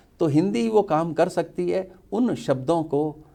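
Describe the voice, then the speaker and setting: The very clean recording, with a silent background, captures a man with a non-native accent and a dark, mellow tone. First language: not Hindi (speaking Hindi). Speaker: writer and editor. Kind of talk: interview. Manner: formal.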